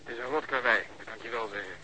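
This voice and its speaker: Grumpy detective on telephone, very sharp tone, fast, irritated, grumbling, radio play. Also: male voice, mid-range voice. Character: exasperated, grumpy male police detective phoning in. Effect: telephone filter. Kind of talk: radio drama acting.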